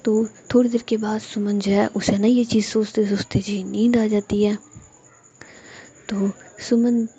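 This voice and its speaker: Woman telling a story casually, husky breathy voice, dull lofi audio. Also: medium pitch, flat delivery, measured pace, warm tone. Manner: conversational, frequent fillers.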